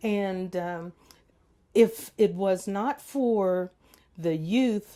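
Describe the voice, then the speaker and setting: Here the tone is dark and mellow. Nothing intrudes on the very clean recording, its background silent. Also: woman. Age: 60s. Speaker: community activist. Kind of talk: interview. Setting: mobile talk show set in a truck.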